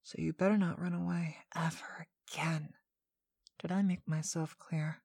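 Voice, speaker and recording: Playing a dominant mistress, a woman reads a hypnotic script in a voice that mixes sweetness with sternness, speaking with deliberate command and slipping into breathy whispers at times. Her low voice holds a steady, somewhat dark tone, and the recording has no room sound.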